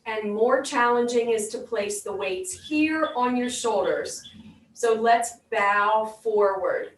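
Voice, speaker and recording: A woman fitness instructor leading an exercise class, giving step-by-step instructions and counted cues. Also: a little high. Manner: clear step-by-step cueing. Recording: roomy echo, distant microphone.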